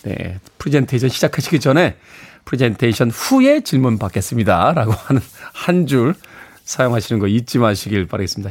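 A man hosting a radio show, chatting, reading listener messages and plugging events with self-mocking humor. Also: medium pitch. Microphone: studio microphone.

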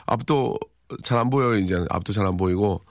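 A man in his forties hosting a live radio show, reading listener messages with dry, teasing deadpan humor. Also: on the low side, a little fast, no room sound. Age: 40s. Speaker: radio host. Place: radio studio. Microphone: studio microphone.

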